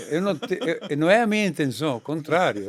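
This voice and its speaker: A man speaks with a Spanish accent and ordinary pitch variation. The recording is very clean, with a silent background. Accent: Spanish accent in Portuguese, noticeable. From Argentina, Mendoza. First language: Spanish (speaking Portuguese). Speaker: winemaker. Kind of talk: interview.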